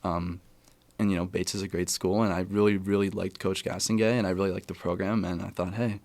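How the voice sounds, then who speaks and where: A young American man with a deep voice talks quickly in a casual podcast interview. He rambles and corrects himself as he goes, like a college athlete chatting as a guest. The sound is dry and close, with very little room. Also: little pitch movement, darkish tone, dry recording. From California, USA. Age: young adult, about 20. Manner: conversational, rambling, self-correcting.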